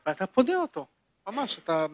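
Guy giving a torah class, pretty high voice, repeats himself for emphasis, dull dry recording. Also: big pitch swings, no room sound. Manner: emphatic storytelling with repetition. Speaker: religious teacher. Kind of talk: Torah lesson to a small group.

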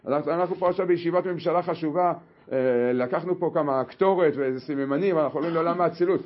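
A man with a husky voice voicing an angry ancient king who scolds an intruder in rapid, irritated bursts. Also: fairly high pitch, muffled recording, close to an everyday voice.

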